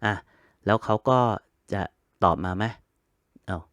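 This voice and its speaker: A man's voice: fairly low pitch, fairly even intonation, unhurried, fairly bright tone, no echo. A man hosting a casual computer tutorial, chatting to viewers and spelling out keyboard shortcuts step by step. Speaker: host of a computer help channel. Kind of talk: casual screen-reader tutorial.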